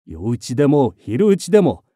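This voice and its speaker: A man's voice: mid-range voice, expressive, takes it slowly, mellow, dry recording, studio quality. A man voicing a commanding young samurai lord who declaims boldly and proudly. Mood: defiant.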